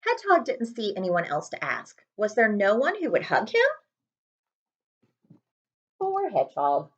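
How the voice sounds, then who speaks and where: A woman reading a children's storybook aloud as host, expressive and speaking directly to young listeners with friendly asides. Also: mid-range voice, unhurried, slightly rough, dull audio. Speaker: read-aloud host, librarian.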